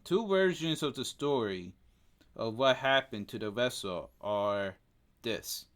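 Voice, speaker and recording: A man with a Spanish accent, a native Spanish speaker, co-hosting a casual podcast and reading out facts haltingly, stumbling over names with plenty of fillers. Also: medium pitch, expressive, a bit bright. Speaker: podcast co-host.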